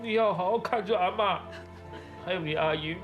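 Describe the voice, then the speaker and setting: A man's voice: high-pitched, normal speed, muffled recording, music in the background, lightly acted. An actor playing a middle-aged father who keeps joking despite bad news, with a wry, teasing manner and a drama score playing underneath. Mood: wry, tender. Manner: wry, teasing even while upset.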